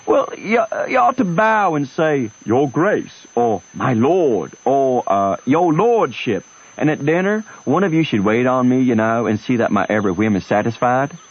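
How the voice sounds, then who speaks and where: A self-pitying swindler posing as nobility in a radio play. He is grandiose and melodramatic, with a husky voice that swoops up and down. The sound is dull and lo-fi. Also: mid-range voice, big pitch swings, normal speed. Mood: haughty, wheedling. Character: theatrical self-pitying con man posing as a duke. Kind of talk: radio drama acting.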